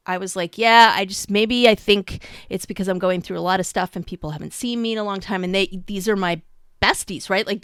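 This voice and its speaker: A woman in her fifties co-hosting a podcast, talking casually in an animated, slangy way with frequent laughter. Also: mid-range voice, no echo, studio quality. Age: 50s. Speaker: podcast co-host. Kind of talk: casual chat.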